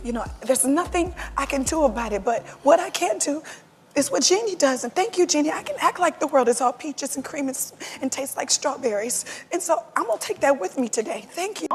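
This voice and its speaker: A woman's voice: high voice, lively intonation, moderate pace, slight background noise. A woman sighing and confiding in a wistful, emotional on-camera statement.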